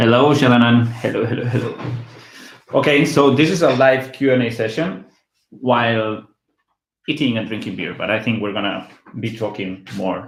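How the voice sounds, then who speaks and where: At a moderate pace and a medium pitch, a man talks with ordinary pitch variation and long, frequent pauses, with audible room echo around him. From Spain, Catalonia. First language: Catalan and Spanish. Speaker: travel vlogger. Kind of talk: casual live Q&A chat. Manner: animated.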